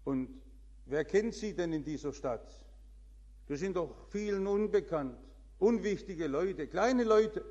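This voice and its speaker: A man preaching a sermon in slow, emphatic phrases with dramatic swings in pitch. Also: animated, dark tone, highs cut off. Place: church. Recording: long church reverb.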